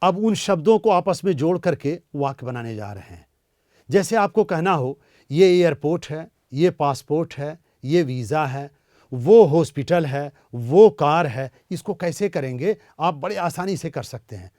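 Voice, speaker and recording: A male language teacher giving a beginner lesson, repeating each word slowly so listeners can say it after him. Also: on the high side, expressive, a little mellow, no room sound, clean studio sound.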